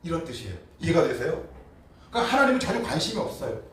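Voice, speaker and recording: Man preaching a sermon, kinda high voice, acts out bits, really echoey church, mic far off. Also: very fast. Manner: animated, acts out quotes, questions the congregation. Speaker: pastor. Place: church sanctuary.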